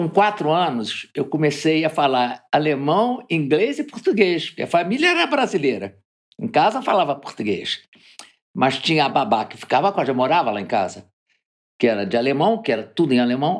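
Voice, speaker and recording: A woman speaks with a very deep, low pitch. Her voice swings very widely in pitch. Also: moderate pace. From Brazil, Rio de Janeiro. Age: 90s. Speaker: translator. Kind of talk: interview. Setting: in her bedroom at home.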